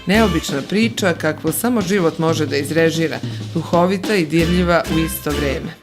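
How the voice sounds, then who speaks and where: A woman narrating a documentary in a measured, scripted delivery. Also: sits low. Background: music.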